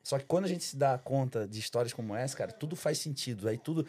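A man's voice: mid-range voice, husky. A Brazilian man, a bodybuilder guest, telling a long story in a casual podcast chat, peppering it with "cara". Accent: Brazilian Portuguese. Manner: fast, animated storytelling full of "cara".

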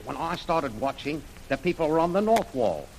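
A lively, dutiful army private. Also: male voice, fairly high pitch, normal speed, low-quality recording. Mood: reporting. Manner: respectful, reporting carefully. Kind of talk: 1930s radio drama acting. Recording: hissy old radio recording.

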